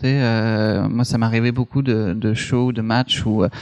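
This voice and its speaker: The man's voice sits at a medium pitch. His delivery stays monotone and flat. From France, Paris region. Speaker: improv trainer. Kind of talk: interview. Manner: halting, many repetitions.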